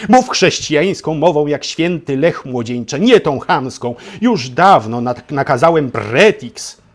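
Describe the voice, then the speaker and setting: A man's voice: fairly high pitch, lively intonation, unhurried. A man voicing a pompous, imperious little ruler in a satirical storybook tale, declaiming his commands.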